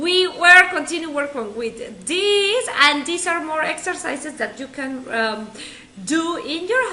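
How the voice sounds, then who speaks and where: Amid noticeable background noise and audible room echo, a woman with a Spanish accent uses a raised, projected voice at a fairly slow pace, with high pitch and very wide pitch swings. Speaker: English teacher. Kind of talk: online lesson review. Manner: animated.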